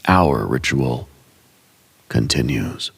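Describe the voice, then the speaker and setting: Male narrator for esoteric ASMR meditation; heavy vocal fry, husky breathy tone, solemn, measured and hushed delivery. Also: very deep voice, lively intonation. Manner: solemn, hushed, deliberate, with short measured phrases. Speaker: host and narrator of a meditative radio show. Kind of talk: ASMR guided meditation, slow dreamlike scripted narration.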